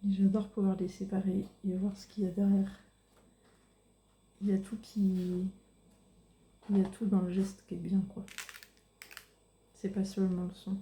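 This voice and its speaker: Very mellow, soft-spoken young woman, ASMR. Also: mid-range voice, monotone, moderate pace, pauses often, roomy sound. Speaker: ASMR creator.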